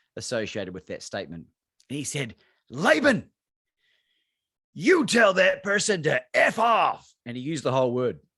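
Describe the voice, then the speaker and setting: This man's voice sits at a fairly high pitch with a bright, sharp tone. The recording is very clean, with a silent background. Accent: Australian. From Australia. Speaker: motivational speaker and coach. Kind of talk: storytelling presentation. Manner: animated.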